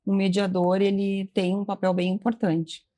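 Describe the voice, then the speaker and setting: A woman speaks as a guest expert, her voice in a middle pitch. She lays out her points in an assured, instructive manner, telling listeners what to do. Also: level tone, normal speed, mellow. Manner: assured, instructive, advice-giving. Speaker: communication trainer, guest. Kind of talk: expert explaining on a talk show.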